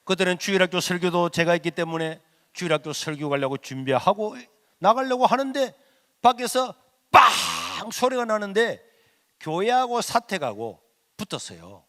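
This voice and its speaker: A middle-aged male pastor, telling a story in a sermon and acting out the dialogue, his voice swinging from loud to hushed. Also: sits high, lively intonation, moderate pace. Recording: long hall reverb.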